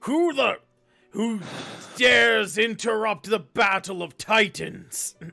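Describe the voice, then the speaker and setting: A man puts on a character voice pitched high. He speaks at a fairly slow pace over faint music in the background. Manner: commanding, indignant.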